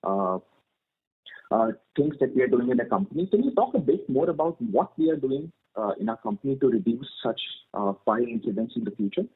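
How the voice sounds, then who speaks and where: A man's voice: mid-range voice, very animated, a little fast, husky. A man with an Indian accent, an investor politely and hesitantly putting questions on an earnings call. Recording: muffled narrowband phone line.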